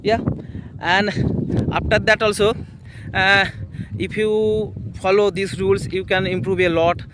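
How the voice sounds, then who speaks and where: A man's voice: high-pitched, flat delivery, a little slow, noisy background. A young man whose first language is not English, talking in an unscripted practice monologue, hesitant, with many fillers and repeated phrases. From village area. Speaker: English learner vlogger.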